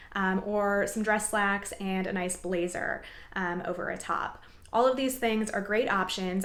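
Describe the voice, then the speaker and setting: A woman's voice: medium pitch, a bit bright. Upbeat young woman vlogger, echoey room. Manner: upbeat, encouraging, tidy and organized delivery. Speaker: career advice vlogger. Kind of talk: upbeat advice vlog to camera.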